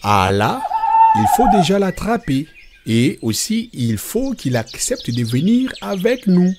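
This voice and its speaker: A man playing a patient father in a Christian children's cartoon, explaining things step by step in a husky voice. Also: high voice, sing-song, slow, very noisy, exaggerated voice. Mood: patient, instructive. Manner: didactic, explains definitions step by step.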